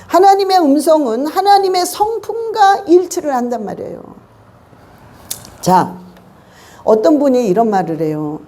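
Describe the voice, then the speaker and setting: A woman pastor delivers a sermon with a high, lively voice that swoops up and down. Her tone is mellow and warm rather than bright. She tells stories and acts out the people in them. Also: moderate pace, long pauses. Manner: animated storytelling, acting out quoted people. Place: church.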